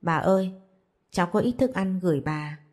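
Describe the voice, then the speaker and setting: A woman voicing a kind, caring young woman who speaks in a gentle, coaxing way. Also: on the low side, expressive, normal speed.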